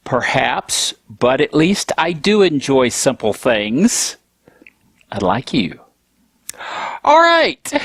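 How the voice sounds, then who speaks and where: A man with a stuffy, cold-thick voice hosts a tech show on his own. His pitch leaps up and down as he grumbles and jokes at his own expense. The sound is close and dry, with no room around it. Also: a bit bright, no echo. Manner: grumpy, self-mocking humor. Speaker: podcast host. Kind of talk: casual tech show monologue.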